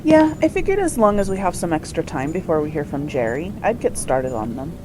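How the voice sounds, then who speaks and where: A woman's voice: on the low side, big pitch swings, fairly quick, noisy background. A woman playing an inquisitive, wry young scientist daughter in an amateur radio drama. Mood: curious, wry.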